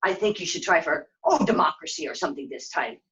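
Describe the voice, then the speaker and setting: A woman puppeteer voices a fatherly knight for a puppet show. He is earnest and gentle, giving instructions in a measured, reassuring way. The live recording is slightly dull. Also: low-pitched, animated, recorded from a distance, pitched below the performer's own voice.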